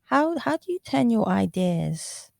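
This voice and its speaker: A woman's voice: mid-range voice, sing-song, a little slow, gravelly, no room sound, studio quality. A woman hosting a podcast interview, earnest and effusive as she asks her guest questions. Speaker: podcast host.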